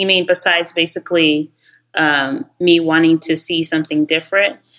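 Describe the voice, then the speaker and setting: A woman with an American accent speaks at a moderate pace in a bright, sharp tone. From US Midwest (Ohio), Nigerian family. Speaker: fashion designer. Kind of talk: interview. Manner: hesitant, many fillers.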